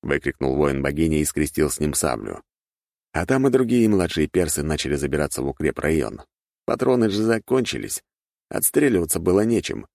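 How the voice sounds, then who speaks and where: A man narrating a fantasy audiobook in a steady, even reading voice, recorded close to the mic. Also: rumbling low, brisk, creaky, no room sound.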